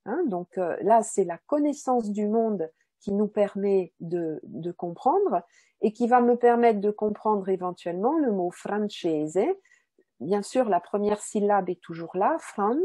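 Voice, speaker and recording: A woman's voice: medium pitch, animated, measured pace, warm tone, no echo. A woman giving an explanatory lecture as a language researcher, in a didactic way, repeating key words and checking that listeners follow. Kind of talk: explanatory lecture, semi-spontaneous.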